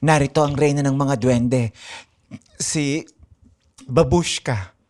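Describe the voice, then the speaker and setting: A woman's voice: extremely low pitch, takes it slowly, a little mellow. A woman voicing a solemn older male guide in an improvised radio drama.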